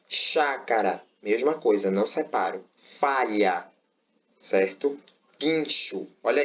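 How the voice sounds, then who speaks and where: A man's voice: mid-range voice, a bit bright. A man teaching a grammar lesson online, explaining step by step and often checking in with his students. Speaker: Portuguese teacher. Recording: slightly dull, lo-fi audio.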